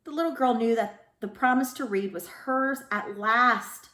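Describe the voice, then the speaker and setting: A woman speaking as a school librarian who reads storybooks aloud to children in an expressive way. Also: on the high side, unhurried, roomy sound. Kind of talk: storybook read-aloud with informal introduction.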